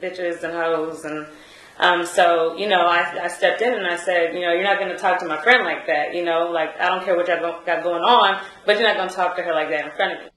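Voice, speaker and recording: A woman's voice: on the low side, fairly even intonation, brisk, a bit bright, reverberant, poor audio. A woman giving hesitant courtroom testimony, full of fillers and restarts. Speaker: trial witness.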